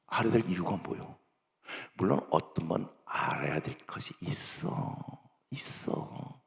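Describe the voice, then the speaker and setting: A male pastor preaching, acting out parents and children in lively bursts. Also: unhurried, gravelly. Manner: acts out parent and child dialogue with sudden high-pitched bursts. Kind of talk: sermon. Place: church sanctuary. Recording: long church hall reverb.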